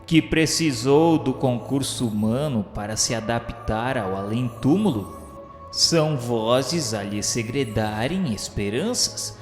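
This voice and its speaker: A man reads a scripted radio novel at a slow, measured pace. His delivery is formal, solemn and declamatory. The voice rings in a long, echoey reverb, with music playing behind it. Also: medium pitch. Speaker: narrator.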